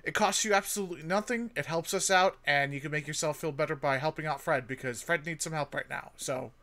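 A man's voice: fairly high pitch, quick pace, bright, forceful tone. A man co-hosting a podcast while streaming a game, chatty and full of fillers. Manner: chatty, promotional, filler-heavy.

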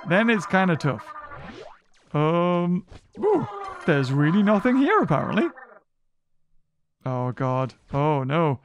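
A man giving excitable, rambling let's play commentary into a desk microphone, thinking aloud as he plays. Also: fairly high pitch, slow pace, long pauses, muffled recording, slight background noise. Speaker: gaming commentator.

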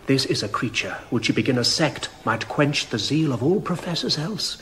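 An actor playing a deferential court servant in a radio drama, full of admiration. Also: male voice, medium pitch, expressive, moderate pace, a bit bright, close to an everyday voice.

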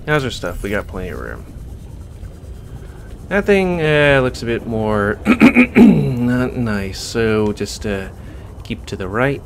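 American man with lively pitch, casual gaming commentary. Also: slow, creaky, long pauses, a little hiss or hum. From United States. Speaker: let's play host. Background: video game music.

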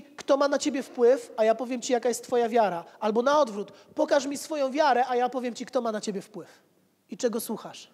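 A man's voice: very high voice, darkish tone. A man, preaching a sermon as pastor with rhetorical repetition and casual asides, holding a mic. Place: church hall with pews. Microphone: handheld mic. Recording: reverberant church hall.

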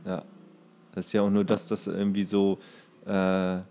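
A man's voice: deep voice, completely flat delivery, moderate pace, warm tone. Casual man chatting as podcast co-host. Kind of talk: casual banter between friends.

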